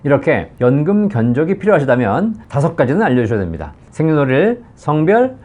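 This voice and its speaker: A man's voice: a little high, a little fast. A middle-aged man who hosts a pension consulting channel, explaining the terms to viewers in a persuasive way and now and then acting out what callers ask. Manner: lively, persuasive, acts out callers' questions.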